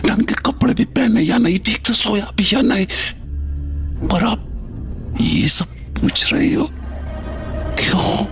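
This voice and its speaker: A man's voice: sits high, slow, long pauses, faint music behind. An actor playing a grown son who returns home after many years and pleads emotionally with his mother, in an audio drama. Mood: pleading.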